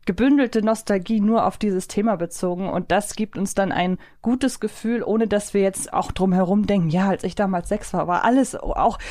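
A woman's voice: mid-range voice, normal speed, hardly any pauses, warm tone. A woman hosting a podcast, talking casually and at length in a reflective, conversational way. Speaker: podcast host.

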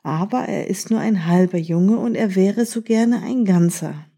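A woman voicing a group of kind fairies in a children's storybook, speaking softly and pleading. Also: medium pitch, unhurried, breathy edge. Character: group of kindly fairies, female, gentle.

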